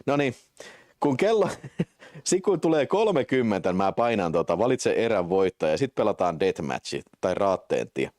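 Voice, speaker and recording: A man streaming live to his viewers, casual and quick to swear, laughing at his own mistakes. His voice rises and falls widely, and he breaks into high, excited play-by-play when the match starts. The sound is dry and close to the mic. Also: dry recording. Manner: swearing, self-mocking, jumps to excited high-pitched play-by-play. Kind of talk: casual live-stream chat and game commentary.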